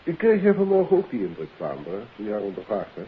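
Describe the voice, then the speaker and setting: A man acting a brisk, authoritative police inspector in a 1950s radio drama, with a businesslike, official manner. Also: on the low side, huge pitch swings. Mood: pointed. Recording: hissy, narrow-band 1950s radio recording.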